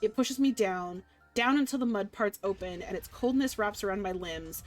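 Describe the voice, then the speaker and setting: A young woman reading a dark visual novel aloud in dramatic first person, breaking off for giggly asides. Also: medium pitch, normal speed, faint music behind. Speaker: streamer playing a game.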